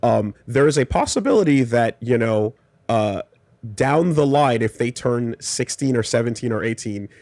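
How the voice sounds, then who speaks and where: A man speaking as a guest on a casual panel discussion, in a measured and thoughtful way with frequent pauses. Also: mid-range voice, animated, darkish tone, dry recording.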